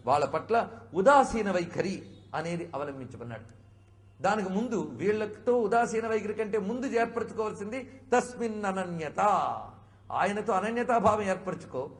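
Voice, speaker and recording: High-voiced man giving a devotional discourse. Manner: explains with many rhetorical questions; chiding, conversational. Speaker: spiritual speaker.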